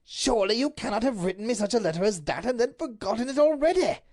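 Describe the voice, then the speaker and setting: A woman voicing a grave, bewildered middle-aged Duke who speaks slowly and firmly. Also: a little high, big pitch swings, voice pushed up. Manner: slow, grave, measured.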